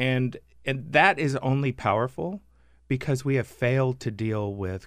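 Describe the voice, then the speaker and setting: Here a man with an American accent uses a plain, everyday voice at medium pitch, a moderate pace and lively intonation. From Texas, San Antonio. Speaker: political party fundraiser. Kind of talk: interview.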